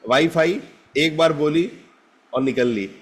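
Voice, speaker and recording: A man's voice: on the high side, slow. A middle-aged man teaching a live group self-help session, talking directly to participants by name and often checking they follow along. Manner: direct, addresses participants by name, repeats "ठीक है ना?".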